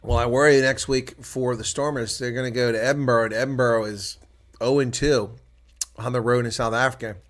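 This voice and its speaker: A man's voice: medium pitch, fairly even intonation, brisk. An American man giving live rugby play-by-play and reactions, chatting with viewers as he goes. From United States. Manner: chatty, talks to viewers while calling play. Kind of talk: solo live rugby commentary.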